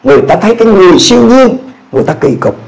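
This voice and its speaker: Fervent Vietnamese-speaking man preaching, high voice. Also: big pitch swings, very fast, creaky, poor audio. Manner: swings from low quiet narration to loud high fervent exclamations. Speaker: pastor. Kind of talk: sermon testimony.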